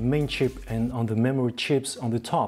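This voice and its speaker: A man with a French accent, music playing in the background. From France. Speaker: tech YouTuber. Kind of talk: tech tutorial. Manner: some hesitation with fillers.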